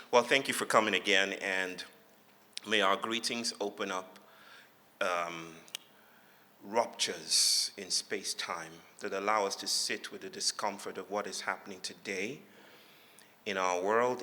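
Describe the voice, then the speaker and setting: A fairly low-pitched but bright-voiced man from Lagos, Nigeria, with a Nigerian accent, speaks as a guest lecturer in a large hall before an audience. His public talk is humorous storytelling, and the recording carries the long reverb of the echoey hall.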